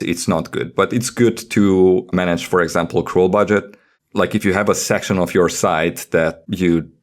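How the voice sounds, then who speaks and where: A man with a deep voice co-hosts a podcast. He explains technical matters informally, as part of a conversation. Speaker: podcast co-host.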